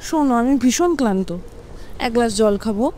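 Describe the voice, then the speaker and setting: A woman's voice: fairly high pitch, animated, a little fast, dark tone, a little hiss or hum, natural voice. A woman playing a weary young ghostly wife in a horror audio drama, with a tired, sighing delivery. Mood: weary, plaintive.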